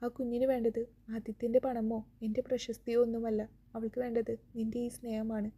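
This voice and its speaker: Woman doing a calm remorseful woman, reflective, flat, very mellow, audio story. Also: on the high side, a little fast, breathy edge.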